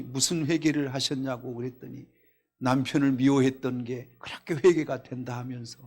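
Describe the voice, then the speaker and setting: A man preaching a Korean sermon at a Friday night service, reading scripture aloud, telling stories and asking the congregation questions, swinging between loud exclamations and quiet asides. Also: mid-range voice, breathy edge. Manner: reads scripture in a raised voice. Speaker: pastor. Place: church.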